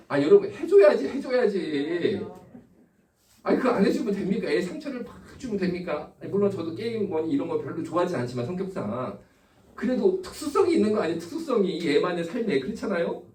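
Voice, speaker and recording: Animated male pastor preaching in an echoey hall. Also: high voice, a little fast. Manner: animated storytelling, rhetorical questions to the congregation. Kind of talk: sermon. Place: church hall. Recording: echoey room, distant from the mic.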